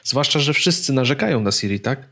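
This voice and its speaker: Podcast co-host, man, middle pitch, opinionated and talkative, speaks in long turns. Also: animated, fairly quick, a bit bright. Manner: opinionated, talks in long stretches. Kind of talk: casual tech chat.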